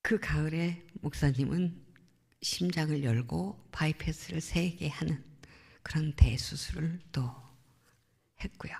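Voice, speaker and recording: A woman's voice: deep voice, a little slow, creaky, slightly rough. A middle-aged woman missionary giving an earnest, reflective personal testimony at a church prayer meeting. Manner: earnest, reflective storytelling with soft trailing phrases. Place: church sanctuary. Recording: long church hall reverb.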